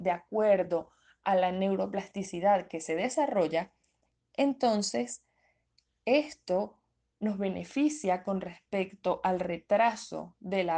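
A woman's voice: medium pitch, darkish tone. A woman presenter explaining a topic in a methodical way, often restating her key terms. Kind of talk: explanatory talk.

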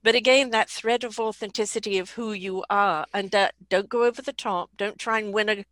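A woman's voice: mid-range voice, fairly even intonation, brisk, a bit bright, dry recording. A woman hosting a casual conversation, chatty and advice-giving with easy laughs. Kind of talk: casual chat.

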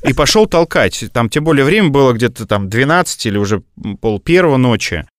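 A male podcast co-host chatting casually, telling a long story and often pausing on filler sounds. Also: mid-range voice, expressive, dry recording, studio quality. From Moscow region. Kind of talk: casual chat.

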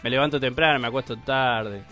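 A man with an Argentine Spanish accent, co-hosting a radio show in relaxed, rambling chat. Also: medium pitch, brisk, faint music behind. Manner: relaxed, rambling, many restarts.

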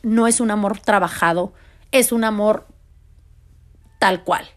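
A Mexican woman in her forties, a mother telling family stories to her viewers in a loud, expressive, casual way. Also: mid-range voice, takes it slowly.

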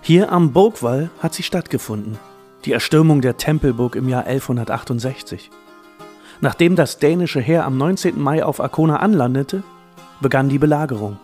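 A man's voice: medium pitch, expressive, normal speed, a little mellow, faint music behind. A man co-narrating a scripted history documentary in an informative way.

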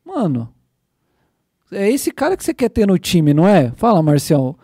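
Here the podcast host is a man with a high voice and a moderate pace, telling a lively story on his casual faith show and performing the quoted lines. The sound is clean and studio-made, with no echo.

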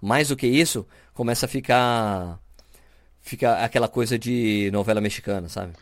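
A man's voice: mid-range voice, normal speed, no room sound, clean studio sound. A man from Brazil co-hosting a podcast, chatting casually and explaining camera settings with lots of fillers and restarts. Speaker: podcast co-host. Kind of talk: casual chat.

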